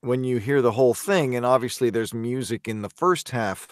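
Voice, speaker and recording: A man's voice: medium pitch, moderate pace, no echo, studio quality. A man hosting a casual panel discussion, often repeating the starts of his phrases as he goes. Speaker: host.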